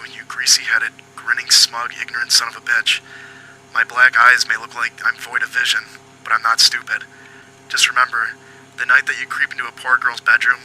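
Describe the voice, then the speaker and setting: A man playing a foul-mouthed but apologetic police agent in an audio drama, questioning politely and haltingly. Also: mid-range voice, bright, forceful tone, low-quality recording. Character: foul-mouthed, apologetic male detective agent hunting a killer.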